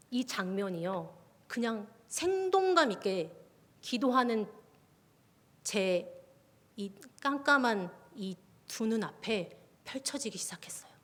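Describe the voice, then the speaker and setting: A woman, a junior pastor, giving a testimony sermon at a midweek prayer service, often dropping her voice to a soft whisper. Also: mid-range voice. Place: church sanctuary. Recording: long reverb of a church hall.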